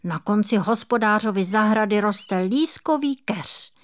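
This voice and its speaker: A woman voicing a cheerful, kind female squirrel in a children's audiobook, gentle and encouraging. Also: mid-range voice, lightly acted.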